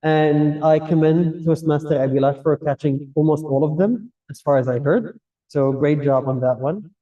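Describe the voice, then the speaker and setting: A man with a Kuwaiti Arabic accent and a very dark, soft-edged tone sits fairly high in pitch. He explains his points directly to listeners as a club evaluator, in semi-formal English shaped by his native Arabic. The recording is dull and picked up away from the mic. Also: moderate pace. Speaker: general evaluator at a public speaking club meeting. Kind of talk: semi-formal spoken feedback to a club audience. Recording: distant mic, dull muffled sound.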